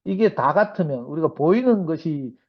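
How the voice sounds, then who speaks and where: A man's voice: a little high, animated, normal speed. A man sharing a personal testimony in a church meeting, talking in a rambling, conversational way and often asking his listeners "right?". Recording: dull lo-fi audio.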